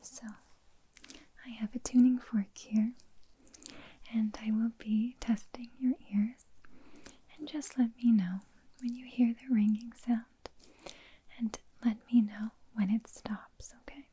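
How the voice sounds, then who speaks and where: A woman playing a gentle, reassuring doctor in an ASMR exam roleplay, speaking slowly in a breathy whisper. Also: on the high side, fairly even intonation, a little hiss or hum. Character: gentle, soothing female doctor examining a patient.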